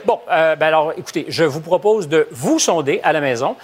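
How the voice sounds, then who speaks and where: A man with a Québécois accent hosting a studio panel debate, lively and probing, joking with his guests. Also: on the high side, fairly quick. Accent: Québécois French. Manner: lively, asks probing questions, jokes with guests. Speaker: talk show host. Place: TV studio with live audience.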